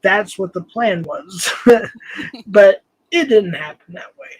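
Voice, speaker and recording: A man's voice: sits high, slow, poor audio. An older man hosting a live stream, casual and rambling, laughing often. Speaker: host.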